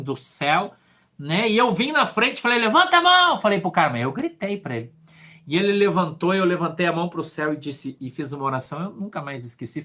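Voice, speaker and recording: A man with a Brazilian Portuguese accent preaching a sermon, telling a testimony with animated swings from hushed asides to shouted lines. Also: on the high side, slightly rough. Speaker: pastor.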